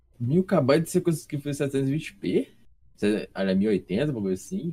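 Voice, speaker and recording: A man with a somewhat breathy voice and a dark, mellow tone swings his pitch very widely. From Espírito Santo, Brazil (Vila Velha). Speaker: streamer. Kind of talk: casual chat.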